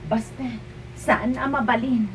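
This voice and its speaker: Woman as insistent young mother, high-ish voice, distant mic, heavy hum. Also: fairly even intonation, a little slow, close to an everyday voice. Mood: gentle. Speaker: mother in an audio drama. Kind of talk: amateur drama acting.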